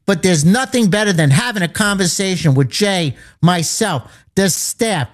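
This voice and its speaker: A man hosting a sports betting radio show, pitching fast and direct to listeners, his voice a little worn. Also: animated. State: slightly losing his voice. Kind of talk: radio talk with sales pitch.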